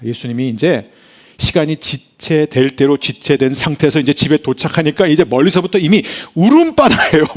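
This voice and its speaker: Gravelly man preaching a dramatic sermon. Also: fairly high pitch. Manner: dramatic, swings from hushed whispers to loud emphatic bursts. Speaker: pastor.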